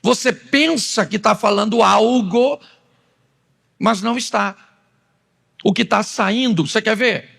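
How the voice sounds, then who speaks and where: A man with a Brazilian Portuguese accent preaching a sermon as pastor, animated and theatrical. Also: high voice, slow, vocal fry, long pauses, slightly rough. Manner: animated, acts out quoted spouses in changing voices.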